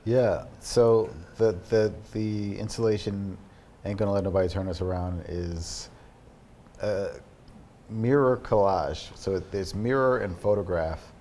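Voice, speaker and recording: A man being interviewed in a studio as an artist, explaining his work in thoughtful, halting sentences. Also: lowish voice, warm tone, slight background noise. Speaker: artist guest.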